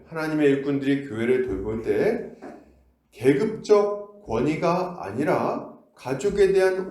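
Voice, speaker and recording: Speaking with a warm, mid-range voice, this pastor keeps his sermon conversational, putting questions to the congregation and playing out scoldings. It's recorded in the echoey space of a church sanctuary.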